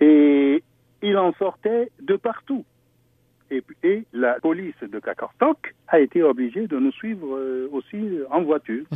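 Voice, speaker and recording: A man with a fairly high pitch speaks at a very slow pace, swinging very widely in pitch and leaving long, frequent pauses. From Togo. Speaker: writer. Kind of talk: interview. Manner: halting.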